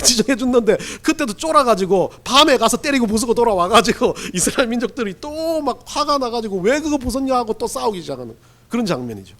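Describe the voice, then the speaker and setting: Pastor guy preaching, high voice that swings all over, jokey storyteller. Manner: animated storytelling with acted-out quotes; humorous, laughs while preaching. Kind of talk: sermon.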